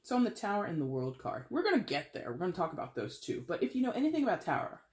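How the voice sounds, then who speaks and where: Woman tarot reader with a fairly deep voice, chatty and animated, talks in loose run-on phrases. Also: racing. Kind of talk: casual tarot reading monologue.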